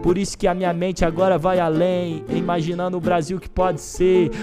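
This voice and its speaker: A man's voice: sits high, little pitch movement, normal speed. A man from São Paulo with a Paulistano accent, freestyle rapping boastful, playful rhymes over a beat. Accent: Paulistano Brazilian Portuguese. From São Paulo, Brazil. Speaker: freestyle rapper. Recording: music loud behind the voice.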